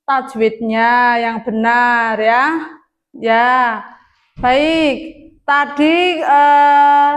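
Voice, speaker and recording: A young woman teacher with an Indonesian accent talks to her young pupils in a classroom. Her voice sits high and she takes her time, drawing the children in with gentle questions. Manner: slow, coaxing questions to pupils. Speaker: primary school teacher.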